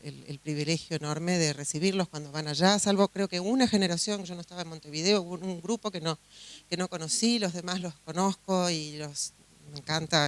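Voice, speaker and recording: A woman from Uruguay with a Uruguayan Spanish accent, a judge giving a chatty conference talk full of fillers and restarts. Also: low-pitched. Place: conference hall.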